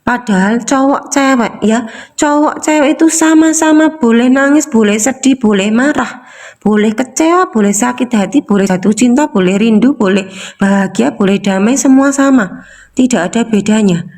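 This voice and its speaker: Woman, casual teaching talk, repetitive, rhetorical questions, slightly high voice. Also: normal speed, a little mellow. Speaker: emotional release coach.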